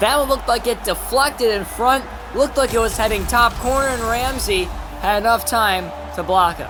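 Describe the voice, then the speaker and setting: Background noise is noticeable throughout. The woman's voice sits fairly high in pitch. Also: ordinary pitch variation, moderate pace. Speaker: hockey play-by-play commentator. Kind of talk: live commentary. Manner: animated.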